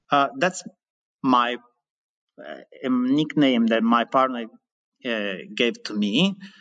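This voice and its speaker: With an Italian accent, a man at a medium pitch talks very slowly, with ordinary pitch variation and long, frequent pauses. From Italy, Milan. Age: 40s. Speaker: illustrator. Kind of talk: radio interview. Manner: halting.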